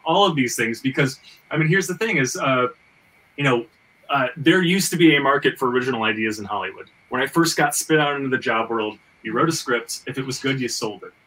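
A man with a sharp, bright voice hosts a casual panel discussion. He works through his points aloud, often doubling back and stammering on small words. He sounds a little removed from the microphone. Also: medium pitch, lively intonation, a little fast, recorded from a distance, poor audio. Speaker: podcast host; screenwriter and fiction writer. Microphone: video call.

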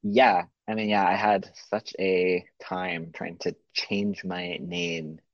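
A man's voice: low voice, little pitch movement, takes it slowly, no room sound. A man co-hosting a podcast in casual chat, talking freely and laughing often, heard on slightly dull lo-fi audio. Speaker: podcast co-host.

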